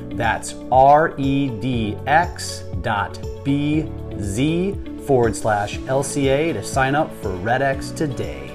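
Ad announcer over guitar music. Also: medium pitch. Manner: smooth, even promotional read. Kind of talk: read sponsor ad.

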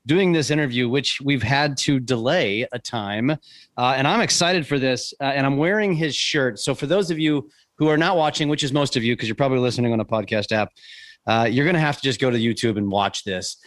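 A man's voice: medium pitch, a little fast, a bit bright, no room sound. A man with a nasal voice, stuffed up from a summer cold, casually hosting a podcast interview. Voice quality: nasal, congested. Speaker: podcast host.

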